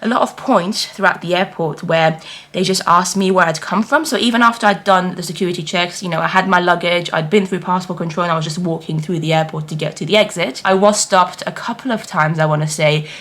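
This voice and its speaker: Woman, travel vlogger, rapid chatty delivery, slightly low pitch, informal and rambling. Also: fairly bright tone. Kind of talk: casual vlog chat to camera.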